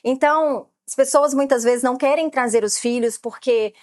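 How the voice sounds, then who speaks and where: A Brazilian photographer in her late thirties guests on an interview podcast, speaking with a Brazilian Portuguese accent in a high, bright voice at a moderate pace. She explains her work eagerly and lively, stacking up fillers. The sound is close and dry, with no echo or room.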